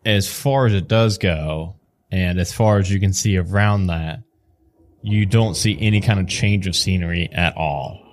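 A man's voice: low-pitched, a little slow. A man narrating as game master in a casual, loose way, often laughing with the players.

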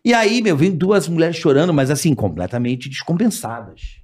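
A man hosting a casual chat, telling an animated story and acting out the voices of the people in it. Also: a little high, moderate pace. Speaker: podcast host.

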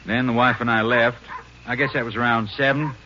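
An actor playing an obliging but disapproving country rancher in a radio western, giving folksy, hedging answers. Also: male voice, mid-range voice, steady tone, a little fast, sharp tone, muffled recording, lightly acted. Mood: obliging, hesitant. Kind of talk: 1950s radio western drama acting. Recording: faintly noisy, band-limited old radio recording.

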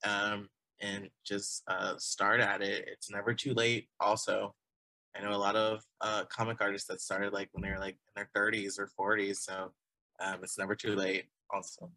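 A man's voice: fairly low pitch, little pitch movement, normal speed, pushed and bright, no echo, rough recording. A man in his twenties, a guest chatting casually and loosely with many fillers. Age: 20s. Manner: rambling, filler-heavy, laughs often. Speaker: guest artist. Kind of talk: casual conversation.

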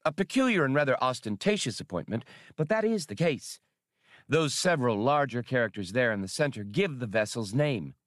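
Guy doing a little alien professor for an audiobook, high voice, fussy n formal, kinda excitable. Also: brisk, no room sound, studio quality, close to an everyday voice. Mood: awed, precise. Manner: formal, scholarly, wordy. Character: small, pedantic alien academician, male, excitable and precise. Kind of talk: audiobook character voice.

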